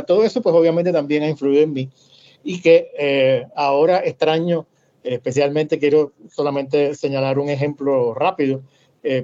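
A man with a mixed Puerto Rican and Cuban accent, speaking as an academic panelist in a reflective, halting way with many filler sounds. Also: on the high side, a little mellow. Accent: mixed Puerto Rican and Cuban Spanish. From Puerto Rico. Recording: slightly dull lo-fi audio.

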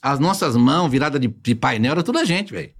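Animated, fast-talking male storyteller. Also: mid-range voice. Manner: animated, slangy, acts out quotes. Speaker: guest. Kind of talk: storytelling in casual podcast chat.

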